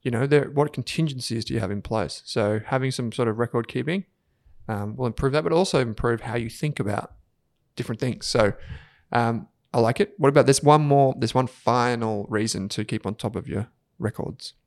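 A man co-hosting a finance podcast, talking in a relaxed, conversational way. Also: mid-range voice, a little fast, no echo, clean studio sound. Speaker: podcast co-host. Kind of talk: casual finance podcast chat.

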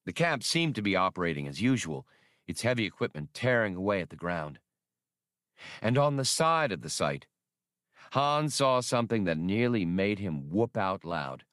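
A man narrates an adventure audiobook in a low voice. His delivery is measured and expressive, like a storyteller at work. The sound is very dry, with no room on it. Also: no echo. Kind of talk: scripted dramatic narration of a science fiction adventure.

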